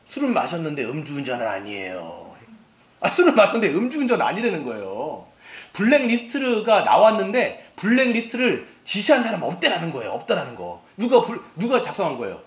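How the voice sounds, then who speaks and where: A middle-aged male pastor preaching a sermon in an animated way, acting out quoted lines and asking the congregation questions. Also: high voice. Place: church sanctuary. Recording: echoey church hall.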